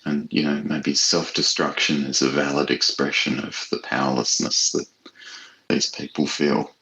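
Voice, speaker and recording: A man being interviewed as an author, speaking in a thoughtful, measured and hesitant conversational way. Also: rumbling low, flat delivery, pushed and bright, poor audio.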